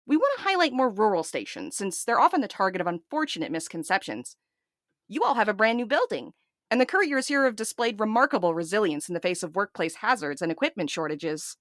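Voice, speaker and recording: A woman's voice: medium pitch, big pitch swings, brisk, no room sound, clean studio sound, close to an everyday voice. A woman playing a fussy male governor's assistant in an audio drama, with chirpy, polished PR patter. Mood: upbeat, officious. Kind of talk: scripted audio drama dialogue.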